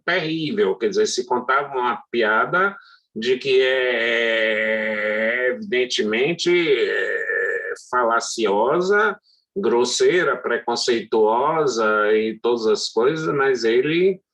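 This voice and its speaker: A middle-aged man lecturing as a law professor, hesitant and full of drawn-out fillers. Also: mid-range voice, a bit bright. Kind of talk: university lecture.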